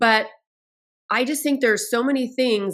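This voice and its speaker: A woman talks at a moderate pace in an ordinary speaking voice with ordinary pitch variation. The recording is very clean, with a silent background. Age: middle-aged. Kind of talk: casual podcast conversation.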